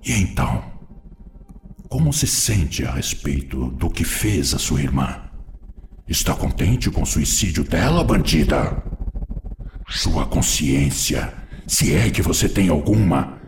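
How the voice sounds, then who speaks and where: An actor with a Brazilian accent playing a furious, vengeful male spirit in a radio drama, sneering and accusing with gravelly, drawn-out emphasis. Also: a bass voice, big pitch swings, slight background noise, exaggerated voice.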